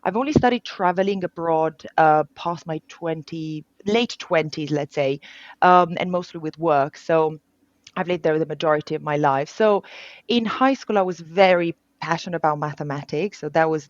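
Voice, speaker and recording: A woman's voice: deep voice, moderate pace, no room sound. A woman in her thirties from Romania with a Romanian accent, an interview guest talking earnestly with frequent ums. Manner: earnest, many ums and restarts. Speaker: guest, sales engineer. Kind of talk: casual interview. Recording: dry, muffled.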